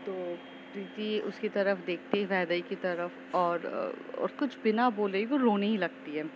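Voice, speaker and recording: A woman's voice: medium pitch, measured pace. Young woman telling a story conversationally. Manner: conversational, with frequent fillers and restarts. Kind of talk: casual storytelling narration. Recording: slightly dull recording with faint traffic noise.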